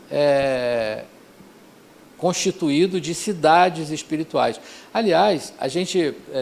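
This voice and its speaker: Male teacher, slightly high voice, chatty lecturing, lots of tag questions. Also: darkish tone. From Rio de Janeiro, Brazil. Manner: conversational, frequent "né?" tags and restarts. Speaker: course teacher. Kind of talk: informal spiritual lecture.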